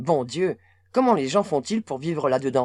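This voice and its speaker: A man puts on a character voice, fairly high-pitched and raspy, with lively intonation at a moderate pace. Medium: read story.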